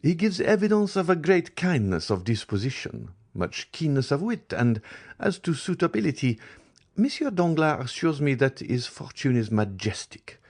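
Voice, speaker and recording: A man voicing a worldly middle-aged baroness who speaks in a smooth, confiding, unhurried way, for a classic novel read aloud. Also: fairly high pitch, big pitch swings, darkish tone, voice pushed up.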